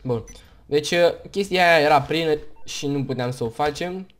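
A man's voice: a little high, a little hiss or hum. A man with a Romanian accent giving casual gameplay commentary, chatty and rambling, hiccuping and tired, on a headset mic at home. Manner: chatty, rambling, talks in bursts between hiccups. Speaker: gaming YouTuber.

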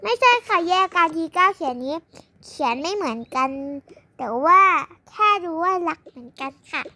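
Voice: very high voice, lively intonation, normal speed, sharp tone, dry recording, exaggerated voice. A child voicing a polite, earnest older sister who speaks to her mother dutifully in a pretend play. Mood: eager. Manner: polite, earnest, uses polite endings.

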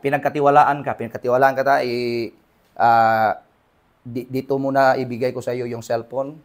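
A Filipino man preaching a sermon in church, swinging between loud exhortation and quiet talk and calling for amens. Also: medium pitch, flat delivery, moderate pace. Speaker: pastor. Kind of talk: preaching sermon, Tagalog-English mix. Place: church in Hong Kong.

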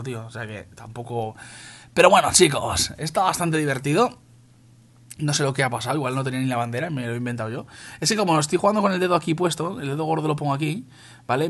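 A man's voice: fairly high pitch, a bit bright. A young man from Spain with a Castilian accent, casually commentating his mobile shooter match for viewers, swearing and calling everyone "tío". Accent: Spain Spanish. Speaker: gaming youtuber.

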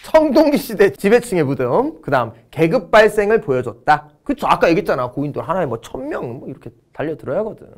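A middle-aged man lecturing on history for an exam-prep course. His pitch leaps up and down all the time, and he keeps breaking into playful mini-skits to make facts stick. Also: fast talker, few pauses. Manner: animated, playful, acts out little skits.

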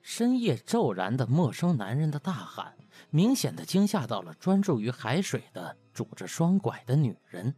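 Male comic audiobook narrator, theatrical and colloquial, highly varied pitch, husky edge, dry close recording. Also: wildly swooping pitch, normal speed, mellow, dry recording, soft background music. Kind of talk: dramatized storytelling of comic web novel.

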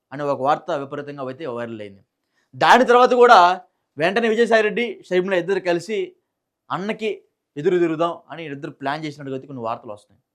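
A man with a Telugu accent giving informal political news commentary, repeating phrases for emphasis and asking rhetorical questions. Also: high-pitched.

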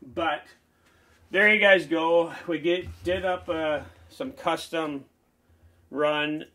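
Man in his forties, slightly high and bright voice, easygoing and chatty, talks close to a handheld camera in a small cluttered room. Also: fairly even intonation, takes it slowly. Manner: chatty, rambling, enthusiastic. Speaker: fishing channel host. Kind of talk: casual show-and-tell walkthrough. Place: small indoor man cave packed with lures.

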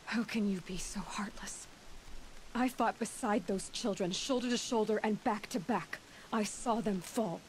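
An actress playing a resolute young tribal huntress in a video game, firm and earnest. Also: female voice, mid-range voice, unhurried, slight background noise, close to an everyday voice, rough recording. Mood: hurt, indignant. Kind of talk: dramatic video game dialogue.

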